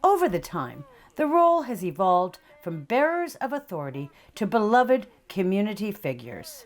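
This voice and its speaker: A woman speaks with very wide swings in pitch while music plays in the background. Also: medium pitch for a woman, moderate pace. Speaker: documentary narrator. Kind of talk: documentary narration.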